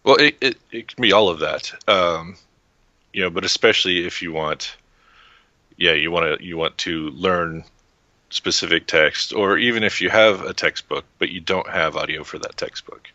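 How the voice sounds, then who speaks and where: Very deep-voiced man, dull dry sound. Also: normal speed, bright, forceful tone, dry recording. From Texas, USA. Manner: hesitant, many "um" and restarts, laughs lightly. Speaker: guest, website founder. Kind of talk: casual interview.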